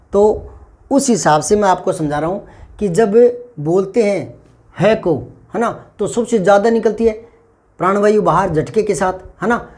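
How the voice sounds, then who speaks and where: A man's voice: high voice, darkish tone. An older man with a Rajasthani Hindi accent, teaching a Hindi lesson in an explanatory way, often checking that students follow. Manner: explanatory, repeats and checks understanding. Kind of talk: classroom lesson on phonetics.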